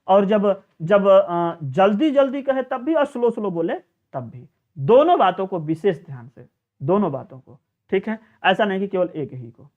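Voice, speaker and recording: A man teaching an exam-prep lecture, chanting verses slowly and often repeating and restarting phrases. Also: high-pitched. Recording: tinny phone-like sound.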